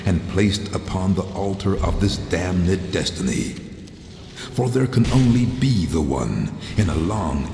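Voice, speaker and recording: A man's voice: low voice, gravelly, full character voice. A man playing a brooding, grim supernatural warrior in a video game, speaking in a solemn, portentous manner. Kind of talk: dramatic video game monologue and dialogue. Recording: noisy, echoey hall reverb.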